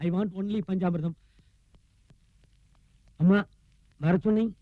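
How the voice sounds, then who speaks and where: A man's voice: high-pitched, takes it slowly, no echo, narrow, tinny audio. An actor playing a fawning, melodramatic male estate servant in a comedy, wailing and theatrically self-abasing. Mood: grumbling. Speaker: loyal servant of a rich widow. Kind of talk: 1990s film comedy acting.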